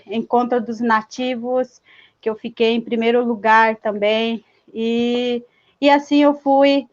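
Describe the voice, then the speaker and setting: A young woman rapper from Mato Grosso do Sul, whose first language is Guarani, speaks seated in a live stream. She talks slowly and hesitantly, with many fillers. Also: on the high side. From Mato Grosso do Sul, Brazil. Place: indoors, seated. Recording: dull lo-fi sound.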